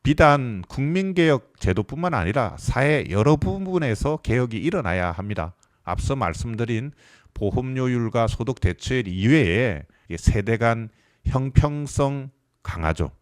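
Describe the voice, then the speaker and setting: A man in his fifties gives a live lecture on pension reform, explaining the topic and putting questions to his audience. His mid-range voice has lively intonation and a slightly slow pace. The recording is dry, with clean studio sound.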